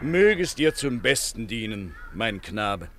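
An actor playing a solemn, ceremonious Latin professor in a German radio play. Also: male voice, lowish voice, big pitch swings, slow pace, fairly bright tone, slight background noise, exaggerated voice. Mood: moved, solemn.

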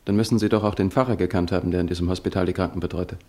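An actor playing a wounded, anguished young student on the run in a German radio play, with a creaky, gravelly voice. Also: male voice, deep voice, steady tone, very fast, dark tone. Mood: anxious, pleading.

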